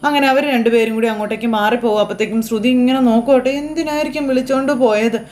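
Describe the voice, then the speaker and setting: A fast-talking woman with a fairly high voice recaps a TV serial in a chatty, casual way. She slips into the characters' lines as she goes, keeping up a brisk, lively flow. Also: slight background noise. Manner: chatty, acts out the dialogue in quotes.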